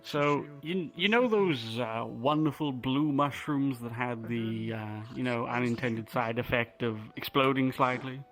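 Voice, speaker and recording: A man's voice: medium pitch, a little slow, few pauses, fairly bright tone, poor audio. A man playing in character in a roleplay, speaking in a mock-formal, playful way. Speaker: roleplay player.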